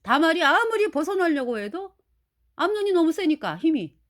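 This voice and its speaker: A woman's voice: extremely high pitch, very animated, normal speed. A woman preaching a sermon, retelling a Bible story in a colloquial way, acting out the quotes and asking listeners to agree.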